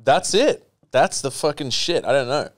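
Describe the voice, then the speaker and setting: A man's voice: medium pitch, lively intonation, moderate pace. A man co-hosting a podcast, chatting casually, joking and swearing often. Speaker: podcast co-host. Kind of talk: casual chat.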